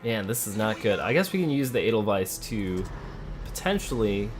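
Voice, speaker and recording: Very animated yet speaking at a normal pace, a man with a fairly low voice plays a video game in a casual let's play. He thinks aloud and talks to the characters, with faint music in the background.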